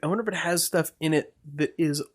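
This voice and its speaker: A man's voice: a little high, fast talker. Man musing aloud on a podcast. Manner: musing, thinks aloud with restarts and questions. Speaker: podcast co-host. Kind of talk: casual podcast chat.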